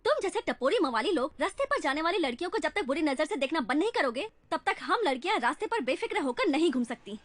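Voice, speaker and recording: A woman's voice: high voice, very animated, fast, hardly any pauses, no echo. A woman playing a defiant young woman in a dubbed film who snaps at a man she takes for a thug. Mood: angry. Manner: sharp, dismissive.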